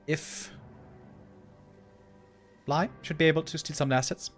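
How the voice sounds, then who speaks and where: A man giving live esports commentary on a strategy game match, casual and conversational, swinging between musing and excited exclamations. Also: a little high, measured pace, soft background music. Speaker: esports caster.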